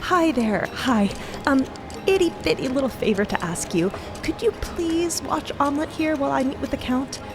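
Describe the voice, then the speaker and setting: A woman's voice: sits high, lively intonation, moderate pace, music in the background, voice pushed up. A woman acting a sweetly wheedling crew member in an audio drama, chatty and ingratiating as she talks.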